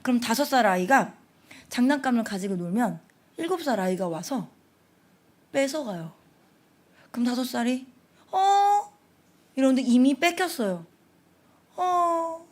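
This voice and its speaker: A young woman gives a lively storytelling sermon to families, jumping in and out of the small voices of children she describes. Her voice sits a little high and bright. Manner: animated, acts out children's voices. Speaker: preacher at family prayer service.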